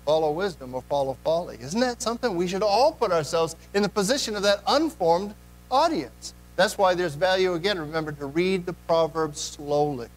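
A man's voice: fairly high pitch, low-quality recording. A man preaching a sermon in a church, earnest, putting direct questions to the congregation. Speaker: pastor.

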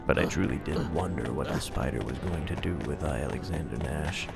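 A man acting as a grim hardboiled investigator with a very low, creaky voice. He tells a bizarre murder mystery in a deliberate, dramatic style, like scripted noir radio drama, with music clearly playing behind him. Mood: grim, suspenseful.

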